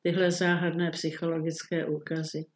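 A woman's voice: low voice, level tone, roomy sound, lightly acted. A woman reading the part of a flustered middle-aged male government minister, muttering and bewildered. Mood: confiding.

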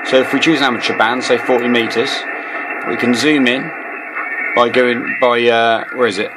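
A man's voice: medium pitch, flat delivery, normal speed, heavy background noise. A man hosting a casual, off-the-cuff gadget demonstration, rambling and hesitant, often repeating his words, recorded on a handheld camera at a desk indoors. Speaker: video host, amateur radio hobbyist. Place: small indoor room at a desk. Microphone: handheld camera or phone.

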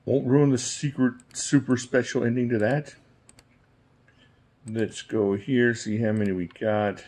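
A man hosts a casual giveaway vlog from behind the camera. He has a mid-pitched voice and a folksy, informal way of talking. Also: fairly even intonation, measured pace, darkish tone. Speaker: video channel host. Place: indoors at a computer, voice behind camera.

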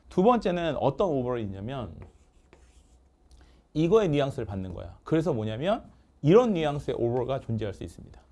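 A man teaching English vocabulary in a lively lecture, drilling words call-and-response and joking with his producer. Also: medium pitch. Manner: call-and-response drilling, asks "됐습니까?" often; jokes with the producer off camera.

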